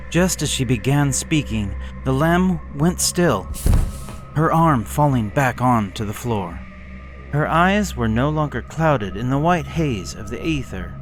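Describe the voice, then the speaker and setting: A man slowly reading a gothic horror story aloud in a measured, somber way. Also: medium pitch. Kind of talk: scripted horror narration. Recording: hissy background noise.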